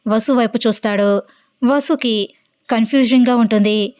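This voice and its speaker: A woman narrating an audio story in a steady, plain reading voice. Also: on the high side, normal speed.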